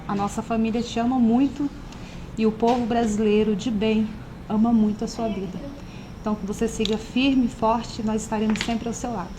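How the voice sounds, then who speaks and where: A woman's voice: a little high, steady tone, moderate pace, noisy background. A woman giving an earnest, prayerful spoken blessing to her husband. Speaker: wife of the guest of honor.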